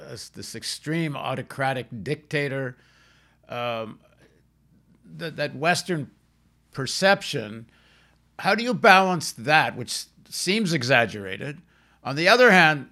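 A man's voice: a little high, bright, forceful tone. A man working as an interviewer, tentatively feeling his way through unscripted questions.

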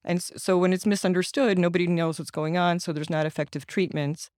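A man's voice: high-pitched, steady tone, brisk, a little mellow, no room sound, clean studio sound. A middle-aged man raised speaking Ukrainian, answering interview questions in an earnest, explanatory way with frequent restarts. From United States, Ukrainian American family. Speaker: guest, patient advocate and author.

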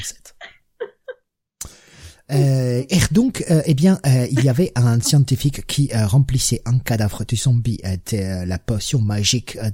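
Man co-hosting podcast, husky, mellow, dry close sound. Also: medium pitch, dry recording. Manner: joking, rambling with many fillers. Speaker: podcast co-host. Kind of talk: casual chat.

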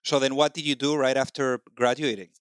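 A man's voice: medium pitch, flat delivery, brisk, clear, resonant tone, no echo, clean studio sound. A man hosting a business podcast, upbeat, and often repeating words for emphasis. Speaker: podcast host.

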